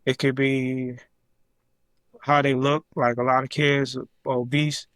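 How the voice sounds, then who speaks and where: Man, boxer guest: easygoing, monotone, slangy, dry close sound. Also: mid-range voice, takes it slowly, no echo, rough recording. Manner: laid-back, plain answers, slangy grammar. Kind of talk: casual interview answers.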